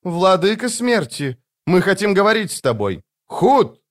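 A man's voice: fairly high pitch, very animated, measured pace, pitched above the performer's own voice. A man voicing a capricious, imperious goddess of luck, one of two divine twins, in a raised voice.

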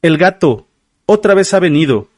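A man's voice: high voice, animated, moderate pace, a little mellow, dry recording, studio quality, voice pushed up. A man voicing a troubled, frightened young woman in an audiobook, speaking in a pleading, anxious way.

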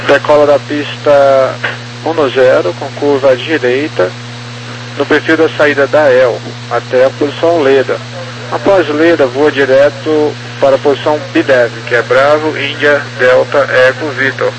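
A Brazilian man working as an air traffic controller, reading procedural clearances over aviation radio. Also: mid-range voice, a bit bright, low-quality recording. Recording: humming radio link with light noise.

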